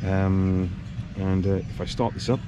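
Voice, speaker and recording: A man with a lowish voice reviews his motorcycle out of doors in a casual, rambling way. He stops and restarts often and fills his pauses with ums. Loud outdoor noise runs under the recording. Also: steady tone, dull audio. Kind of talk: casual spoken review to camera.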